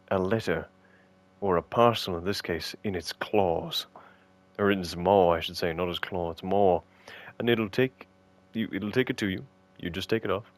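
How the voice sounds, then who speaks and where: A man co-hosting a casual podcast, joking and teasing, with exasperated rants. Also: low voice. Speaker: podcast co-host.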